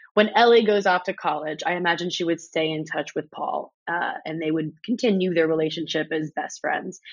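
A woman with a General American accent speaks at a moderate pace and fairly low pitch in a normal speaking voice. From US South, Orlando, Florida. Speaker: actress. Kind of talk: interview. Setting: video call.

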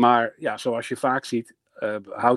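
The recording of the man is dry and close, with no echo. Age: 40s. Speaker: music journalist and columnist. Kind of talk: casual chat. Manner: halting.

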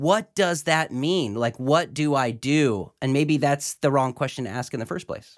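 In a very clean recording with a silent background, a man with an ordinary speaking voice and a fairly high pitch talks at a moderate pace with lively intonation. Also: dry, close sound with no echo. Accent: General American. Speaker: podcast host. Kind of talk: interview.

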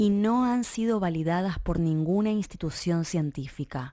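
In a very clean recording with a silent background, a woman with a dark, mellow tone speaks at a fairly slow pace. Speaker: radio co-host. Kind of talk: radio presenting.

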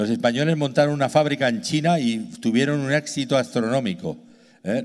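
His pitch is fairly high. The man keeps a moderate pace. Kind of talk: sermon. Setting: church with congregation. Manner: halting, full of fillers and restarts, conversational teaching tone.

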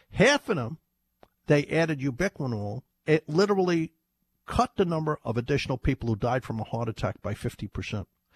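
A man with a fairly high, somewhat breathy voice talks at a fairly quick pace, his pitch swinging very widely. The background is quiet, and the sound is dry and close with no echo. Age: 60s. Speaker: radio host and pharmacist nutritionist. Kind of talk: health radio talk and product promotion.

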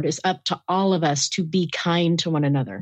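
In a plain, everyday voice, a woman speaks at a moderate pace with fairly low pitch and fairly even intonation. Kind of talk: live interview questions, testimony.

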